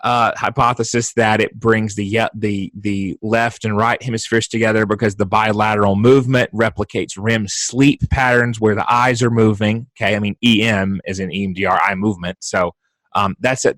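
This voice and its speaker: A man's voice: fairly low pitch, fairly even intonation, moderate pace, a bit bright, no echo. A man hosting a podcast as a therapist, asking questions eagerly and explaining ideas in a casual, affirming way. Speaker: podcast host, EMDR therapist.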